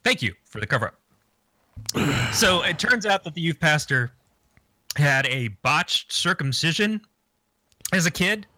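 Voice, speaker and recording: A man's voice: a little high, sing-song, measured pace, pauses often, pushed and bright, no echo. A man casually recapping a movie plot on a podcast, rambling and joking crudely. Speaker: podcast co-host. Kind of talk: casual movie review chat.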